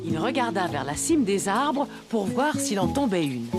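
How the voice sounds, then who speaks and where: A woman's voice: mid-range voice, big pitch swings, moderate pace. A woman narrator tells a scripted story for young children. Her intonation swings widely and expressively. Prominent music runs underneath.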